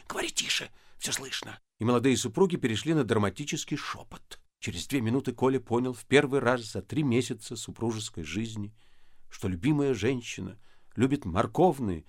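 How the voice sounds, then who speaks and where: A man narrating a literary audiobook in an expressive, ironic way. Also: medium pitch, dry recording, clean studio sound. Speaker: audiobook reader.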